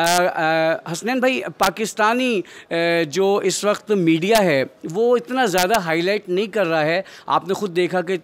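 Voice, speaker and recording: A man hosting an on-location interview outdoors near a shrine, formal and devout in his greetings, asking long questions. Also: high voice. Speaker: interviewer and host.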